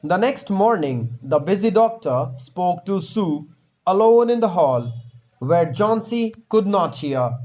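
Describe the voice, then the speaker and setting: A man reading a short story aloud as a storyteller, with a deliberate, dramatized delivery. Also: high-pitched, lively intonation, darkish tone, rough recording. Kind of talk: scripted story narration.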